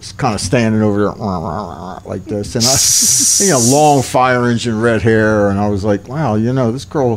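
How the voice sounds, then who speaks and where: A man keeps a medium pitch, ordinary pitch variation and a moderate pace while noticeable background noise runs behind him. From Philadelphia. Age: 70s. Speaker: guitarist. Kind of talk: casual chat. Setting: in his home.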